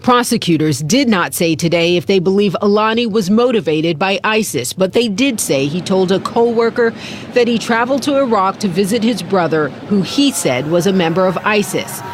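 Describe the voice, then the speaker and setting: A woman's voice: on the low side, animated, normal speed, faint music behind. A woman with an American accent narrating a scripted news report as a correspondent.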